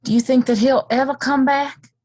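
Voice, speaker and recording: A woman's voice: high voice, fairly even intonation, moderate pace, a little mellow. An actress playing a wistful, tender frontier woman in a Western audio play, earnest and searching in her delivery.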